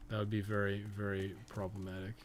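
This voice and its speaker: A game streamer and podcast co-host, this man speaks in a lowish, monotone voice at a brisk clip. He gives casual live commentary on his gameplay, swearing and sarcastic, and often mutters to himself.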